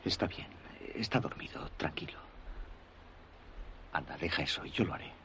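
An actor dubbing a worried, protective father, urgent and anxious at times, gentle and soothing at others. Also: low voice, lively intonation, moderate pace, creaky, slight background noise, exaggerated voice. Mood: tender. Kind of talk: Spanish film dub.

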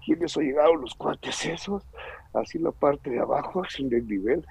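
A middle-aged man with a Mexican accent gives an earnest, emotional personal testimony. His voice is husky and gravelly. The recording is dry and dull, with a lo-fi sound. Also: a little high, moderate pace, a little mellow, no room sound. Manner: earnest, emotional storyteller who acts out the voices in his story. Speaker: guest giving a personal testimony.

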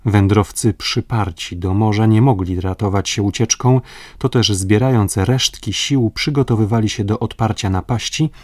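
Male audiobook narrator, low and steady, measured delivery on a dry studio track. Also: no room sound. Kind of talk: scripted narration of an adventure novel.

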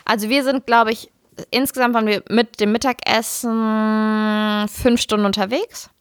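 A woman's voice: a little high, level tone, measured pace, clean tone, no echo. Woman chatting casually, close dry sound. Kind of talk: casual chat, personal anecdotes.

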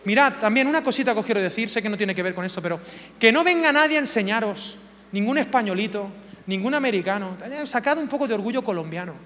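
A man's voice: high-pitched, animated, quick pace, sharp tone, big-room sound. A man preaching a sermon, emphatic and full of rhetorical questions, repeating key words for effect.

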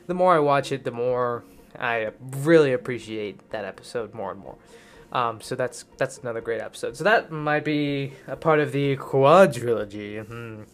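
A man's voice: medium pitch, fairly bright tone. A young man from the United States hosting a casual solo podcast from a hotel bathroom, rambling with jokey asides. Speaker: podcast host.

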